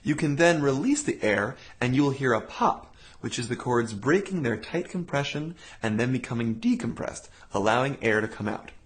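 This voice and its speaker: Guy teaching vocal cord exercises, calm and clear, voice goes up and down a lot. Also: mid-range voice, moderate pace, few pauses. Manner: calm, clear step-by-step explaining with sung demonstration sounds. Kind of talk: instructional voice lesson.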